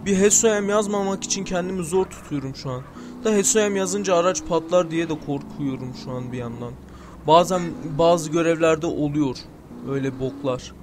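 A young man commenting on his gameplay, swearing often and yelling angrily at the game. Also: on the high side, moderate pace, music in the background. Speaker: gameplay streamer.

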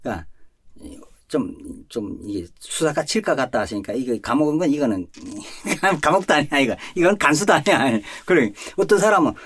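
A man, a pastor, telling his personal testimony in an animated storytelling way, chuckling often and swinging between loud and soft. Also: fairly high pitch, normal speed, breathy edge. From North Korea.

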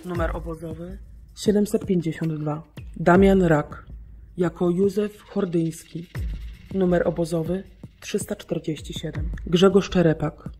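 A woman narrating a scripted documentary radio drama in a measured, solemn, clearly articulated way. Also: lowish voice, fairly even intonation, dark tone. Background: music.

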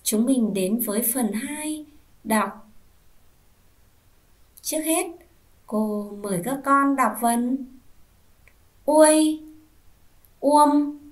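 A woman's voice: a little high, takes it slowly, pauses often. A woman teacher giving a first-grade reading lesson, patiently spelling out sounds and asking the children to repeat. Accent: Vietnamese. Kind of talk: slow, clear classroom reading lesson.

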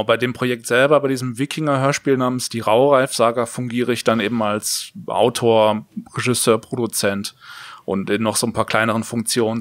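A man's voice: mid-range voice, a bit bright, no room sound. A man chatting casually in an interview, explaining things in a loose, rambling way. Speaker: audio drama creator, writer and director.

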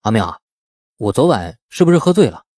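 A man's voice: medium pitch, very animated, a little fast, mellow, dry recording, clean studio sound. A man voicing a young man who questions a teenager like a concerned elder in an audiobook. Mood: uneasy, probing. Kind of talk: audiobook character dialogue.

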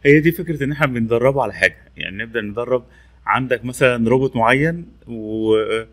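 A man's voice: mid-range voice, fast talker. A man with an Egyptian Arabic accent presents a casual tech tutorial, repeating labels as he demonstrates a training tool. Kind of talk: casual screen-recorded tutorial.

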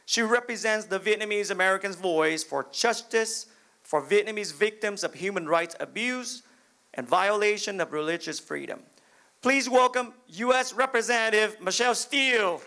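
High, gravelly-voiced young male emcee. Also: normal speed, pushed and bright. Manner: formal, announcing. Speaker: master of ceremonies. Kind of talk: formal introduction of a speaker. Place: large indoor banquet hall, on stage at a podium. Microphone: handheld mic.

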